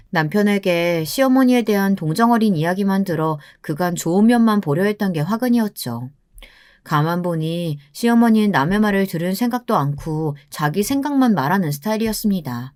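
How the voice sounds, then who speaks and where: Woman narrator, first-person radio story, steady mid voice, dry close mic. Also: fairly low pitch, no room sound. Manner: calm, confiding storytelling.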